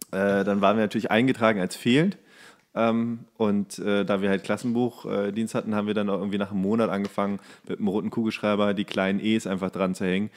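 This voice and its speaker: A man co-hosting a podcast, telling comic anecdotes in a rambling, jokey, casual way. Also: lowish voice. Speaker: podcast co-host.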